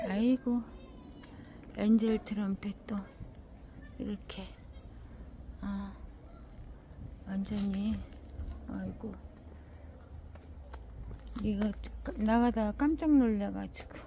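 A woman's voice: mid-range voice, dark tone, a little hiss or hum. An older woman talking casually in her home garden, sighing and murmuring to her plants as she tends them. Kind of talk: casual gardening vlog talk.

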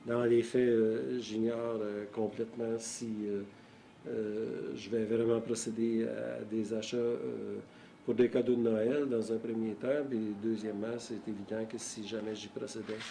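A middle-aged man with a Quebec French accent, answering a street-interview question formally and haltingly, with many fillers, in an office. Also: on the low side, little pitch movement, vocal fry, dark tone, slight background noise. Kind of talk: formal vox pop answer. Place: indoor office by a window.

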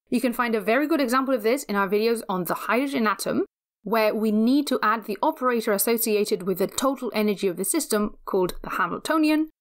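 Measured woman lecturing on physics. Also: fairly high pitch. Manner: measured, methodical explaining. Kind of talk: scripted lecture narration.

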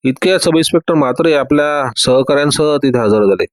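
A man's voice: medium pitch, fast talker, dry recording. A man narrating a dramatized detective story, raising his voice to act out the characters' dialogue.

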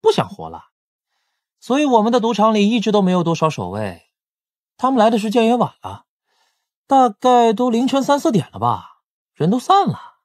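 男演员演绎的活泼爱撒娇的年轻黑帮少爷，音调起伏极大. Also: male voice, high-pitched, huge pitch swings, moderate pace, pauses often, no echo, studio quality. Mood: complaining. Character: playful, chatty young male casino-owning crime boss's brother. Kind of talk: Mandarin audiobook drama acting.

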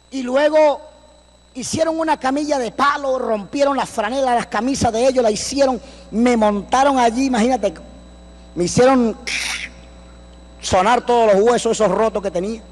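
A man tells his survival testimony to a church congregation, his voice pitched unusually high for a man. He acts out the other people in his story and bursts into sudden shouts. His voice rings out with a long reverb through a large church hall. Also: moderate pace, long pauses.

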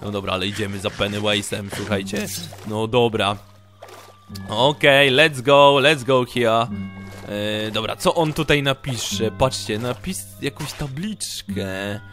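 A man with a Polish accent, commenting excitedly on his game for viewers and switching into broken English now and then. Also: lowish voice, slow. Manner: animated, yelps and talks to viewers, broken English asides. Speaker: gaming YouTuber. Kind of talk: excitable Minecraft let's play commentary. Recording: music playing faintly under the voice.

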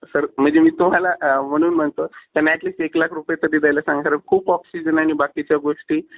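A man's voice: a little high, level tone, quick pace, dry recording. A man working as a hospital doctor, speaking hesitantly and deferentially on a phone call. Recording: tinny phone call recording.

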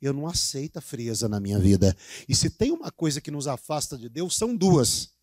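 Brazilian pastor preaching, dark dry voice. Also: male voice, mid-range voice, sing-song, fairly quick, no echo. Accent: Brazilian Portuguese. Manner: dramatic, swinging from loud cries to hushed pleading. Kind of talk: sermon. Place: church.

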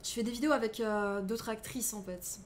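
A young woman on a live stream, rambling and laughing as she answers viewers from her home setup. Her voice sits a bit high, and a faint hum of room noise hangs behind her. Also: steady tone, fairly quick. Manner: rambling, laughing, loose and chatty.

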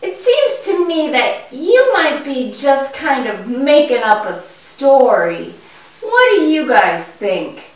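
A woman voicing a curious, naive young boy puppet in a children's show, with wide-eyed, exaggerated and deliberate delivery. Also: sits high, sing-song, exaggerated voice. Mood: hesitant. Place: indoor puppet stage, far from the mic. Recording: echoey room, distant microphone.

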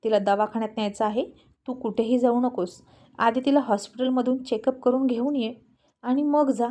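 A woman's voice: fairly high pitch, steady tone, moderate pace, dark tone, natural voice. A woman voicing a reproachful, protective middle-aged mother in a spoken story, raising her voice in disbelief. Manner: reproachful, raised, incredulous.

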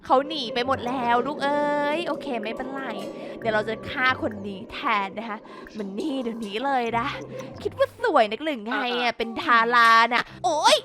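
High-voiced, theatrical woman gamer. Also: animated, moderate pace, hardly any pauses. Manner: theatrical, mock-scolding, talks to viewers. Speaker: gaming YouTuber. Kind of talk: playful game commentary. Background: background music.

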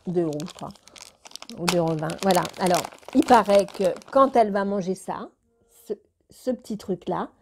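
A woman's voice: mid-range voice, mellow, a little hiss or hum. A woman vlogger chatting casually to her viewers in a rambling way, now and then talking to her cat. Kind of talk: casual chat to camera.

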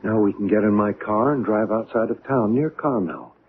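An actor playing a small, mysterious male stranger in a radio drama, earnest and quietly insistent. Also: lowish voice, normal speed, a little hiss or hum, close to an everyday voice. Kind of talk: 1970s radio drama acting. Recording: narrow tinny old radio broadcast.

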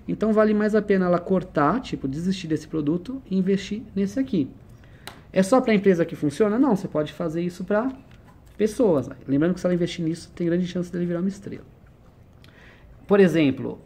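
A man's voice: fairly high pitch, mellow, slightly rough. Man explaining business concepts casually. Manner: conversational, explains with everyday examples and asks questions. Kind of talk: informal one-on-one lesson.

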